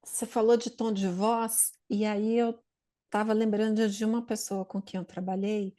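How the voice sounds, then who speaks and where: A woman's voice: mid-range voice, little pitch movement, moderate pace, dark tone. A Brazilian woman hosting a talk show, reflecting on an experience and asking her guest short questions. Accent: Brazilian Portuguese. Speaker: podcast host. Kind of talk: casual interview chat.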